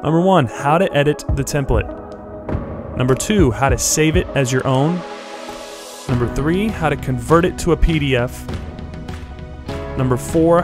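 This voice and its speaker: A young man with a stuffy head cold, giving friendly step-by-step instructions in a software tutorial voice-over. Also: medium pitch. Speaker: blogger teaching a software tutorial. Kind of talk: screen-recorded tutorial voice-over.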